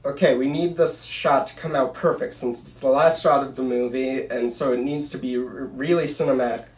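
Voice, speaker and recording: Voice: medium pitch, fairly even intonation, moderate pace, a little mellow, natural voice. A performer playing a bitter, intense teenage boy filmmaker in an amateur script read, recorded at a distance in a roomy space. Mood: earnest. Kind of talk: amateur screenplay table read.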